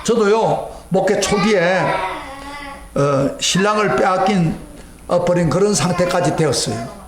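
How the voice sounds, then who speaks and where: A middle-aged man preaching a sermon as pastor, telling stories emphatically and acting out his own prayers, his voice sweeping from near shouts down to low asides. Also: unhurried, echoey room. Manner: sweeping pitch, rising near a shout then dropping low. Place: church sanctuary.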